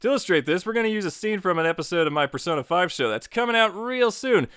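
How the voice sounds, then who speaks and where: A man's voice: high voice, animated, fast, a bit bright, clear, resonant tone, no room sound, studio quality. A man narrating a scripted but casual tutorial as its host, with playful, joking asides.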